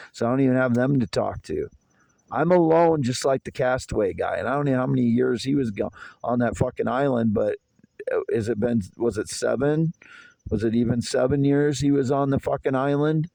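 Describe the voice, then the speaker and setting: A man's voice: medium pitch, gravelly, mellow, no echo. A man in his fifties delivering a rambling, aggrieved solo monologue outdoors in a yard at night. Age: 50s. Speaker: vlogger.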